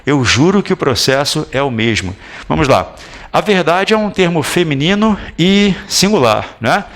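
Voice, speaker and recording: A man's voice: fairly high pitch, big pitch swings, moderate pace, fairly bright tone. A man with a Brazilian accent teaching Portuguese grammar in a recorded exam-prep lesson, chatty and coaxing, often checking that students follow. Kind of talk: recorded video lesson at a whiteboard.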